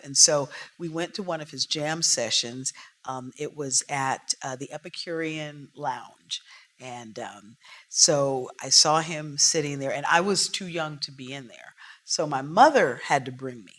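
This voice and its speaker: A jazz singer from Oakland, California, a woman telling stories from her career as a podcast guest, animated and lively. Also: deep voice. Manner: animated storyteller, acts out quotes. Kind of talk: storytelling interview talk.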